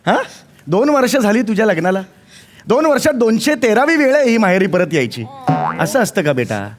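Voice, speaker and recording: A man's voice: high-pitched, big pitch swings, moderate pace, background noise. An actor playing a joking, exasperated middle-aged father who teases and scolds his daughter in a stage comedy sketch. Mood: scolding. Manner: wisecracking, mock-soothing, swings to shouting.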